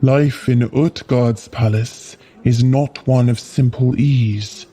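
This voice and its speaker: An actor playing a stern, composed palace giant in an audio drama, speaking in a formal, commanding way. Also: male voice, medium pitch, fairly even intonation, takes it slowly, dark tone. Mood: measured, guarded.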